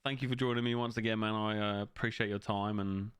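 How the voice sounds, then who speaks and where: A man's voice: on the low side, fairly even intonation, quick pace, a bit bright, clean tone, no room sound, clean studio sound. Laid-back man hosting a podcast. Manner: laughs often, swears casually. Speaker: podcast co-host. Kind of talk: casual chat.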